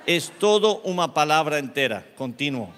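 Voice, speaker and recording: A man preaching a sermon and telling a story, impassioned, his voice swinging from hushed to loud. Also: a little high, big pitch swings, normal speed, in a large hall.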